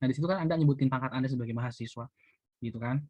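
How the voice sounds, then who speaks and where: Fast-talking young man explaining. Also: medium pitch, dark tone, no room sound, lo-fi sound. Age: young adult. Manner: chatty, many fillers like gitu and eee. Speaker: university student presenting. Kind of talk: casual explanatory lecture.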